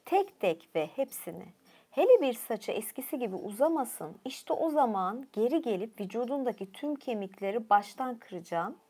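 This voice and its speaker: A woman's voice: on the high side, sing-song, moderate pace, warm tone, slightly rough. A woman voicing a strong, hot-tempered male thunder god making blunt threats. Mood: threatening. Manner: blunt, threatening, grimly cheerful.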